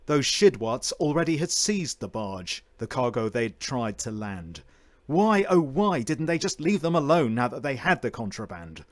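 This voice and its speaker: A man's voice: medium pitch, big pitch swings, unhurried, dry recording. A man reading fiction aloud as a voice-over narrator, with theatrical, emphatic storytelling.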